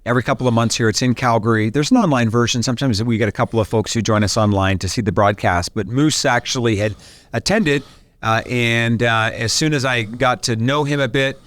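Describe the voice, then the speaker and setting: Podcast host, male. Medium pitch, enthusiastic and chatty, tight dry studio sound. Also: a little fast, a bit bright, dry recording. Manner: upbeat, enthusiastic. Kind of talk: chatty interview hosting.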